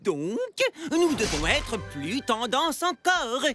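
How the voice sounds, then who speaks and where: A bossy cartoon bakery manager obsessed with being on trend. The voice is high and swings wildly in pitch. Every order comes out emphatic and panicky, with music playing underneath. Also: female voice, big pitch swings, slow pace. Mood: emphatic, determined. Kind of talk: animated cartoon dubbing.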